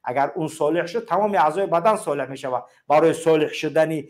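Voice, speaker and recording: A man with a Tajik accent hosts a political call-in show. His voice sits fairly high, and he delivers it like a sermon, stacking parallel phrases one after another. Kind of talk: preachy political call-in talk.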